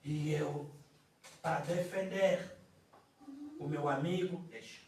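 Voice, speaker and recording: Man preaching a testimony, high voice, slow delivery, booming reverb from far off, shouts then hushes. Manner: swings between shouting and hushed telling. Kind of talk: sermon testimony. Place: church sanctuary. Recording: echoey church hall from far off.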